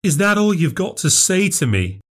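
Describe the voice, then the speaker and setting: A man's voice: sits high, big pitch swings, moderate pace, voice pushed up. A man voicing an upset, anxious adult woman who confronts her sister, hurt and insistent. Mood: angry, hurt.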